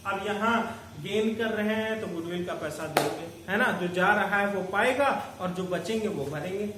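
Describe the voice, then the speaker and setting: A man's voice: high-pitched, moderate pace. A man teaching an accounting lecture, explaining step by step and calling his students "beta". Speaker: commerce teacher. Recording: very echoey room, distant mic, faint noise.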